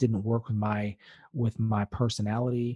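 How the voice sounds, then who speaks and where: In an American accent, a man with a medium-pitched, somewhat breathy voice and a dark, mellow tone speaks at a moderate pace with fairly even intonation, and the sound is dry and close with no echo. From New York. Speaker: financial planner. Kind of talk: interview. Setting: remote call. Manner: halting, many fillers and repetitions.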